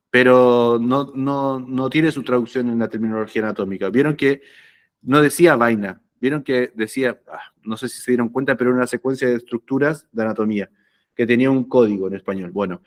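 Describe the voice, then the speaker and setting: A man giving an anatomy lecture, conversational and often checking that students follow. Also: medium pitch. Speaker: anatomy teacher. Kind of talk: lecture explaining slides.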